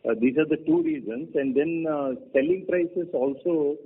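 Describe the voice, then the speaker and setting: A company executive, a man with an Indian accent, answers questions over a dull conference line. His pitch moves around a lot and his voice is husky. He speaks haltingly and sets out his points one at a time. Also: huge pitch swings. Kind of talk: answering questions on an earnings call. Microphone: conference call phone. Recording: muffled narrowband conference call line.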